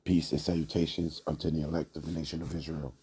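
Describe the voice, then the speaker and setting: A man giving an informal religious lesson, hoarse from a cold, talking in a drawl with many fillers. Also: rumbling low, little pitch movement, quick pace, dark tone. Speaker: religious teacher.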